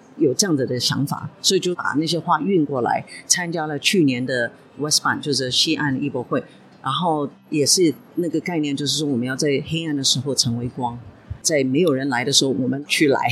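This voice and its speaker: Her pitch is very deep and low. This woman speaks at a fairly quick pace. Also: ordinary pitch variation. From Hong Kong. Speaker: gallery owner. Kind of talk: interview. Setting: art fair floor.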